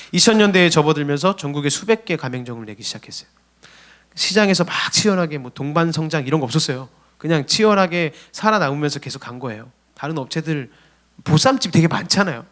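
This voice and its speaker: Brief: young male pastor, higher-pitched voice, animated sermon to a youth service. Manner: lively, storytelling preacher addressing youth. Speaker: junior pastor. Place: church sanctuary.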